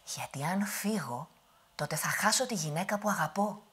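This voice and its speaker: A woman voicing a brave young man on a quest, with a husky voice. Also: on the low side, animated, a bit bright, heavily acted. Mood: determined. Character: brave young male wanderer.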